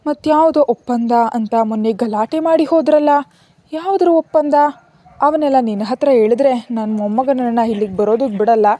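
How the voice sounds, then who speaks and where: A woman voicing a gentle, caring elderly grandfather in a spoken story, reading his lines softly and affectionately. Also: fairly high pitch, normal speed, no echo, close to an everyday voice.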